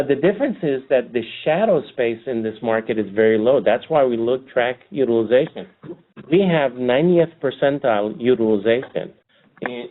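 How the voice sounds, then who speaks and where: A man answering questions as a company executive on an earnings call, speaking off the cuff with halting restarts, over a narrow phone line. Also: medium pitch.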